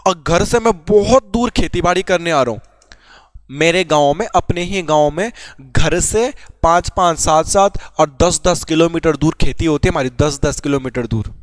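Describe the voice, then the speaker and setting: A man's voice: a little high, normal speed, no room sound. Chatty young male exam teacher. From Uttarakhand, Garhwal. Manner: chatty, asks and answers his own questions. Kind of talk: informal Hindi exam lesson.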